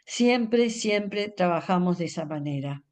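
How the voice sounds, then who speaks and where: An older woman gives a lecture to teachers. She explains step by step, often pausing on fillers, and draws out single speech sounds to demonstrate them. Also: lowish voice, lively intonation, darkish tone. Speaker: reading education specialist speaking to teachers.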